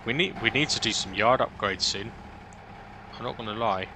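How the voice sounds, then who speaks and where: A man's voice: on the low side, normal speed. A British man giving casual gameplay commentary, thinking aloud chattily and often tagging questions onto his own remarks. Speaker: gaming video host. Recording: noisy, vehicle-like engine ambience.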